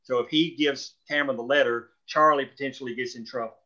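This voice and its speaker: A man's voice: medium pitch, fairly even intonation, fast, bright, forceful tone, lo-fi sound. A man explaining storytelling choices in a group discussion, talking discursively as a writer of the show.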